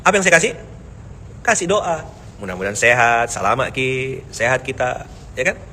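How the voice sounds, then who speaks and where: A man preaching a lively sermon with jokes, swinging between loud emphasis and soft asides and chanting verses. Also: medium pitch, normal speed, a little hiss or hum. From Pontianak, Indonesia. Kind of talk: lively mosque sermon with jokes and audience banter.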